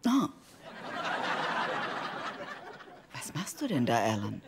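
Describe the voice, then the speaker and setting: A woman's voice: extremely low pitch, wildly swooping pitch, fairly quick, creaky, heavily acted. An actress playing a blunt, easily exasperated woman in a German-dubbed sitcom, with a dry, frank manner. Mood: sleepy, dry. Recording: noisy TV soundtrack with clicks.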